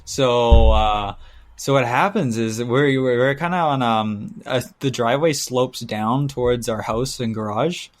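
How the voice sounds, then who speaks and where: A man talks as a podcast co-host in a casual, conversational style. His voice sits in a middle pitch. He tells his stories haltingly, feeling his way through them. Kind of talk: casual banter and anecdotes.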